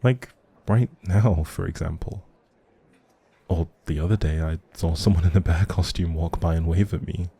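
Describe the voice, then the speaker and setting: A man's voice: low voice, moderate pace, vocal fry, mellow, slightly rough, full character voice. A man playing a shy, socially anxious but friendly young writer in an intimate audio roleplay, rambling hesitantly and apologetically to the listener. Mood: rambling, musing.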